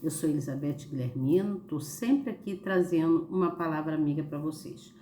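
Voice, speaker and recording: A woman's voice: low voice, normal speed, mellow. A Brazilian woman with a slight cold, teaching a Bible study informally at home, often checking in with her listeners with short tags. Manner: conversational, frequent check-in tags. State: slight cold with occasional cough. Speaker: host of a Bible study channel. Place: living room at home. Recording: roomy echo, faint background noise.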